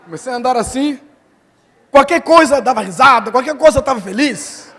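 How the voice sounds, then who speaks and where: Man, high voice, missionary preacher, storytelling sermon, long church-hall reverb. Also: brisk, slightly rough. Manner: animated storytelling, acts out quoted voices.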